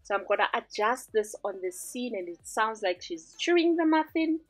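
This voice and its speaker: A woman's voice: on the high side, animated, moderate pace, husky, no room sound, soft background music. A woman hosting a screen-recorded design tutorial, walking through each step in an upbeat, instructive way. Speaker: tutorial host.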